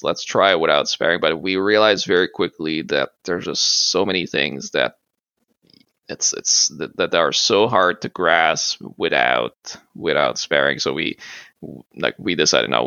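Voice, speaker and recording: A man whose first language is French appears as a podcast guest, a martial arts practitioner in a casual interview, speaking hesitantly with many fillers and restarts. His voice is very deep and gravelly, yet bright, forceful, clear and resonant. The recording is dry, with dull audio.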